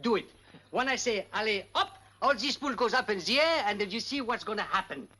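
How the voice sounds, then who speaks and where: A showy French acrobat and sneak thief, talking in broken English with a thick French accent. His voice is bright and ringing, and his boasts come out grand and excitable. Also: high-pitched, brisk, exaggerated voice. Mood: boastful.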